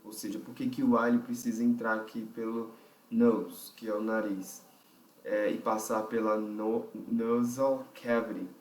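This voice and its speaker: Unhurried and a little mellow, this man's fairly low, level voice carries a Brazilian Portuguese accent as he teaches vocal technique step by step, thinking aloud and checking in with the listener. The roomy, distant recording has a little hiss or hum.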